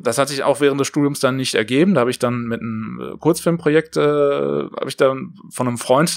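A man's voice: mid-range voice, no echo. Casual man, dry close sound. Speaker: audio drama creator, writer and director. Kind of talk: casual interview chat.

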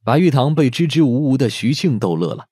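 Husky, mellow male story narrator. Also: medium pitch, sing-song, a little fast, no echo, clean studio sound. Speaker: audiobook narrator. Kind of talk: scripted dramatic story narration. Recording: faint music under the voice.

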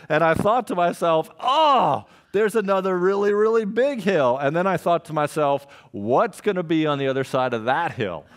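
Animated male pastor preaching on stage. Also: a little high. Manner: animated storytelling, gestures widely, acts out his own reactions. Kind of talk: sermon. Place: church stage with purple backlit wall.

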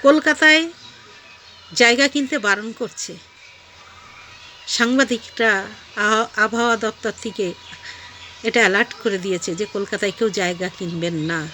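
A woman, talking to her viewers in a vlog. She gives a sharp, preachy rebuke and mixes in devotional chants. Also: medium pitch, unhurried, pauses often, a little hiss or hum. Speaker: online vlogger. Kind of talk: scolding video monologue.

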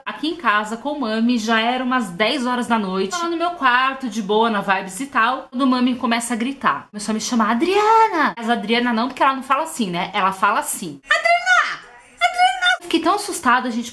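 Fast-talking chatty young woman vlogger. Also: on the high side, fairly bright tone. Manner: chatty, dramatic storytelling. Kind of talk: casual vlog storytelling and sponsor plug.

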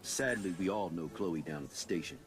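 An actor playing a friendly, gossipy middle-aged police officer in a video game. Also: male voice, sits low, animated, brisk, over music. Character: chatty middle-aged small-town cop.

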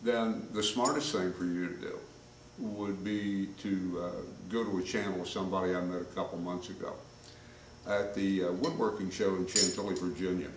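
A man's voice: deep voice, steady tone, normal speed. An older man giving a casual, folksy workshop demonstration, talking loosely with plenty of fillers while he works. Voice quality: folksy, rambling with many fillers. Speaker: woodworking instructor. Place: home workshop, indoors. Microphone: camcorder mic at a distance. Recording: roomy workshop sound, distant mic, clear background noise.

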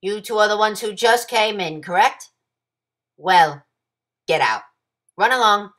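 A man's voice: high-pitched, expressive, a little slow, a bit bright. A man voicing a bossy, fussy bird who is second-in-command of a guild, in a stern, clipped, scolding manner. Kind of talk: character voice audition.

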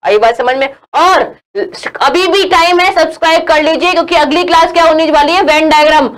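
High-voiced woman teaching emphatically. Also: a little fast, rough recording. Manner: emphatic, repeats key phrases, quizzes listeners. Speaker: online exam-prep teacher. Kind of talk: recorded online class.

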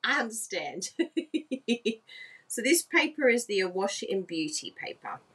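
A woman's voice: fairly high pitch, very animated, slow, bright, forceful tone, husky. Bubbly woman demonstrating crafts. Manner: bubbly, exclaims and laughs often, asks viewers for agreement. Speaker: papercraft demonstrator. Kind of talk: live craft demonstration chat. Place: indoor craft room at a desk.

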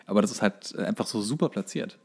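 A man's voice: fairly low pitch, fast talker, breathy edge. A man co-hosting a podcast, chatting casually as he retells cartoon episodes. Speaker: podcast co-host.

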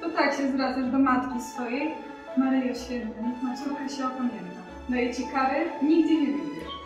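A woman's voice: high voice, moderate pace, close to an everyday voice. A young woman playing a nagging, worn-out mother in a school nativity play, scolding in rhymed verse. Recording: echoey hall from far off, music.

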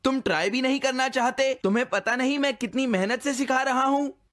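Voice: high voice, brisk, noisy background, lightly acted. An actor voicing a big, bossy, hot-tempered schoolboy in a Hindi-dubbed cartoon, blustering and emotional. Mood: angry. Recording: loud music behind the dialogue.

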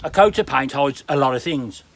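A man's voice: mid-range voice, lively intonation, normal speed, vocal fry, a little hiss or hum. A man from the UK chatting bluntly and rambling to a handheld camera outdoors in his garden. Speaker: smallholder vlogger. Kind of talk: casual chat to camera.

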